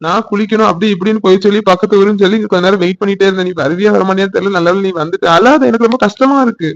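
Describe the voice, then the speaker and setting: A man plays a young village lover in a cartoon, speaking with a Tirunelveli Tamil accent. He reassures her in a fairly high voice at a very fast pace, and the sound is dry and close. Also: no room sound, lo-fi sound. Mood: reassuring. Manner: reassuring, coaxing.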